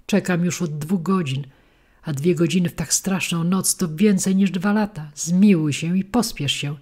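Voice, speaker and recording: A woman's voice: low voice, moderate pace, darkish tone. A woman voicing a cold, desperate wooden puppet boy who begs urgently, in a storybook reading. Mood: pleading. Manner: pleading, urgent.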